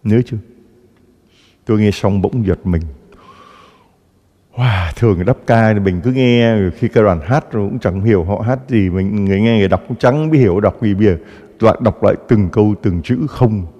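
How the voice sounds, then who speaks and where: A man, a Catholic priest, preaching a sermon with lively storytelling and acted-out gossip. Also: lowish voice, normal speed, long reverb tail. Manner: animated storytelling, acting out gossiping voices.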